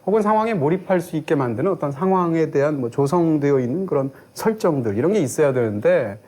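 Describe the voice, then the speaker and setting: A man's voice: fairly high pitch, expressive, fast talker, darkish tone. A middle-aged man, a film critic co-hosting a review show, explaining his points in long, fluent, lecturing arguments. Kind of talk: analytical film review discussion.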